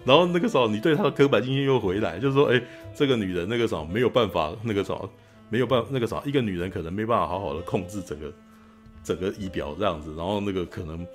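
A man with a Taiwanese Mandarin accent talks quickly in a low-pitched voice while hosting a casual podcast. He retells a film scene in an animated way and keeps tossing in "you know?". Faint music plays underneath. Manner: animated retelling, frequent "you know?" tag, laughs often. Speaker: podcast host. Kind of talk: casual film-review chat.

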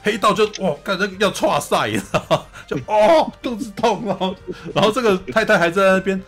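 A man hosts a casual anime chat in a slightly raised voice. He retells scenes with lively energy, laughing often and keeps asking his listener "you know?". Soft music plays faintly underneath. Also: sits high, fairly quick. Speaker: host.

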